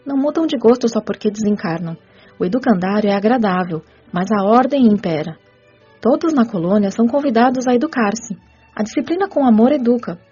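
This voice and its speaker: An actress playing a kind, patient spirit caretaker who explains rules in a measured, teacherly radio drama delivery. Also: female voice, mid-range voice, mellow, husky. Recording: muffled audio with music underneath.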